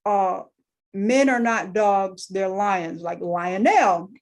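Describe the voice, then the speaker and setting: A woman's voice: medium pitch, slow pace. Podcast host: woman with a mid-range voice, easy and encouraging as she asks questions. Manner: warm, affirming, conversational questions. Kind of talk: podcast interview.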